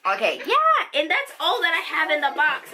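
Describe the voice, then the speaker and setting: High-voiced chatty woman vlogger. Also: moderate pace, background noise. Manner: chatty, with excited exclamations. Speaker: unboxing vlogger. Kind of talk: casual product review.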